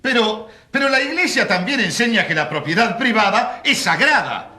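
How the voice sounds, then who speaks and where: An actor playing a pompous, indignant right-wing Catholic accuser in a courtroom radio drama. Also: male voice, high-pitched, expressive, moderate pace, echoey room, over music. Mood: haughty.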